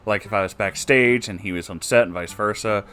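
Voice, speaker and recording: A man narrating a story as a host, in an expressive, jokey and casually sweary way with offhand asides. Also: on the low side, brisk. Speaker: host reading submitted stories aloud.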